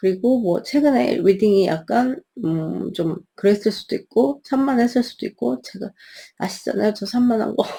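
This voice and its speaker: The speaker's pitch swings very widely at a moderate pace. The voice is somewhat breathy. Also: woman, medium pitch for a woman. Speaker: tarot reader. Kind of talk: casual chat. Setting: lying in bed, home livestream. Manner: animated, energetic; halting, many fillers and restarts.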